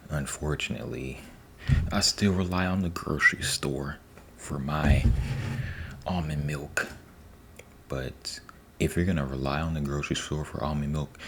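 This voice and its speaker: A man giving a soft-spoken ASMR ramble, unhurried and repetitive, sometimes slipping into a whisper. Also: rumbling low, a little hiss or hum. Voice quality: soft, partly whispered delivery. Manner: unhurried, rambling, repeats himself. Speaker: ASMR host.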